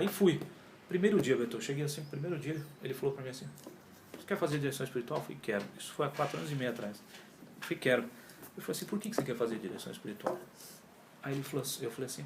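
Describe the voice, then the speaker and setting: With a slightly high, creaky voice over background noise, a Brazilian man in his 40s recounts his story as a guest in a casual interview chat. He's a yoga teacher whose storytelling is animated, acting out his own past dialogue and packed with slang. The room is echoey with faint ambience.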